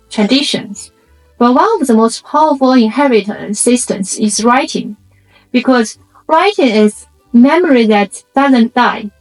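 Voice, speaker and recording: A woman from China, whose first language is a Chinese dialect, hosts a reflective video essay in a fairly high voice with a Chinese accent. She explains things in measured short phrases over background music, and the audio is poor.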